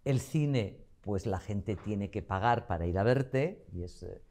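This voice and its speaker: A woman's voice: extremely low pitch, expressive, takes it slowly, mellow. An older woman from Zaragoza, a guest actress telling stories at length in an interview. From Zaragoza, Spain. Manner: chatty, talkative storyteller. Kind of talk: interview conversation.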